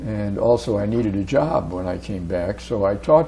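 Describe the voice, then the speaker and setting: A man with an American accent speaks at a fairly slow pace, his pitch fairly low. Noticeable background noise runs under his voice. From US Midwest, Springfield, Illinois. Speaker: retired diplomat. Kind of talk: interview. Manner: halting, many fillers.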